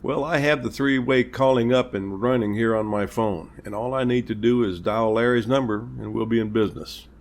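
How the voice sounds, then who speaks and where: Gravelly, courteous police captain played by a man. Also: medium pitch, steady tone, normal speed, hardly any pauses, lightly acted. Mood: friendly. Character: courteous, reassuring male small-town police captain. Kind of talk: amateur audio drama acting.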